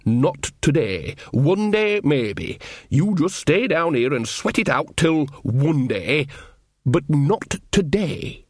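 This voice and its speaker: A man's voice: fairly high pitch, sing-song, takes it slowly, dry recording, clean studio sound, voice pushed up, full character voice. A man voicing a shrewd, folksy old woman witch who talks bluntly and defiantly in a storybook reading. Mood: brisk, calmer.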